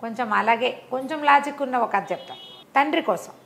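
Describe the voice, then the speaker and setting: A woman's voice: high voice, animated, a little fast, fairly bright tone, a little hiss or hum. A woman storyteller narrating a folk tale in a conversational, explanatory way, repeating phrases for emphasis.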